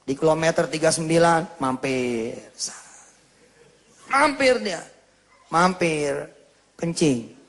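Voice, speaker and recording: Husky-voiced preacher with a lilt. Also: male voice, high-pitched. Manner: lively storyteller who acts out the dialogue. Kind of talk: storytelling sermon. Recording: reverberant hall sound.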